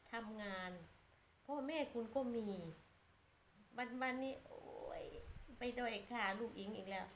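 A woman's voice: a little high, unhurried, a little hiss or hum. A woman giving a blunt, scolding opinion monologue as a channel commentator.

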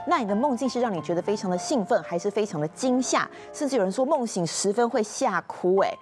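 Host, woman, rapid upbeat delivery, music bed behind her. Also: mid-range voice, animated, a little mellow. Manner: brisk, upbeat host patter. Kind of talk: talk show hosting. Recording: music under the voice.

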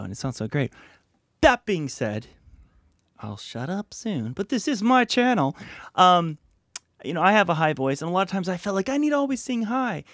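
A man in his thirties hosts a music reaction video from a small home studio, chatting casually and rambling with lots of fillers. His mid-range voice carries no room sound, and faint music plays in the background.

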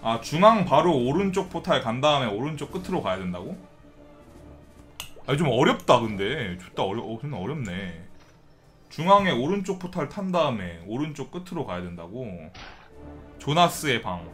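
A man casually commenting on his gameplay as a streamer, chatty and breaking into loud excited outbursts and swearing. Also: mid-range voice, moderate pace, soft background music. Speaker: game streamer.

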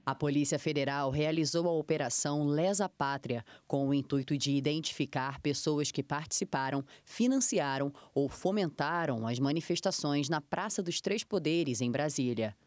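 A reporter reading a scripted news voice-over in an even, formal way. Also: mid-range voice, normal speed, hardly any pauses, no room sound.

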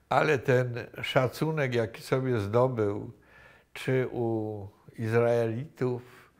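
An older man being interviewed, recalling the past slowly with many pauses and restarts, recorded on a lapel mic in a room. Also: mid-range voice, gravelly. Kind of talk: reflective recollection. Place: indoor room with wooden cabinets.

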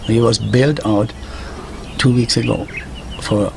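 A German man in his sixties with a German accent, making an earnest, halting appeal in an interview, recorded outdoors on a handheld mic. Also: medium pitch, steady tone, vocal fry, background noise. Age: 60s. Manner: earnest, halting, with many restarts. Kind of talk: emotional appeal in a news interview. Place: outdoors among garden shrubs. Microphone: handheld microphone held below the frame.

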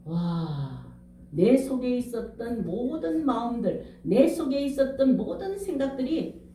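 A woman's voice: a little high, big pitch swings, a little slow, warm tone, far from the mic, slight background noise. A middle-aged woman pastor preaching a revival sermon with emphasis, firing questions at the congregation. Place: church sanctuary. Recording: echoey room, speaker off-mic.

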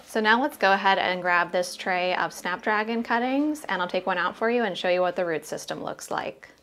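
Lower-pitched American woman, chatty garden vlogger. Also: a little fast, a bit bright. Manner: chatty, addresses viewers directly. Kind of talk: casual garden tour and demonstration. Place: home garden outdoors and inside the house.

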